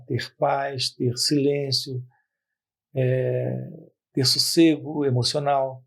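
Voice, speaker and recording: Male spiritual teacher, gravelly and husky, slightly high, measured teaching talk to camera. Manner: measured, repetitive phrasing with pauses.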